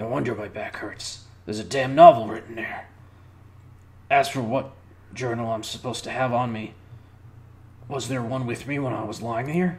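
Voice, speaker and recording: A man puts on a raspy, gruff character voice at a medium pitch. He moves at a moderate pace with long, frequent pauses. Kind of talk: amateur game dialogue reading. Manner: blunt, confused.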